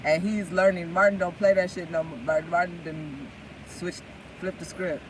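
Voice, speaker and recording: A man's voice: high voice, fairly even intonation, normal speed, recorded from a distance, background noise. An African American man from the United States, chatting outdoors in loose, slangy, emphatic speech as a vlogger. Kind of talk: casual street chat.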